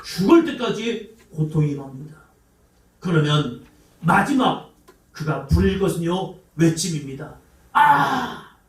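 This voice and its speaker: A man's voice: fairly high pitch, expressive, unhurried. A male pastor preaching a sermon, who quizzes the congregation and acts out cries and sighs in the voices he quotes. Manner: asks the congregation questions. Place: church sanctuary. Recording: echoey church hall, mic some distance off.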